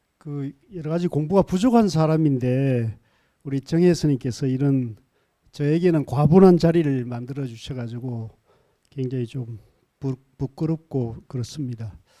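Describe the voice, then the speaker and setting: A man with a fairly high pitch and a dark, mellow tone speaks at a fairly slow pace. His loudness swings widely while his pitch varies in an ordinary way. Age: 60s. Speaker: professor and meditation lecturer. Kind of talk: dharma talk lecture.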